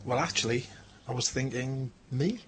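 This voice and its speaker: An actor playing an earnest young English anthropologist turned Sasquatch investigator in a radio drama, speaking politely with an English accent. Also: male voice, medium pitch, normal speed, slight background noise, natural voice. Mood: earnest, hesitant. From England. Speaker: Bigfoot researcher and investigator.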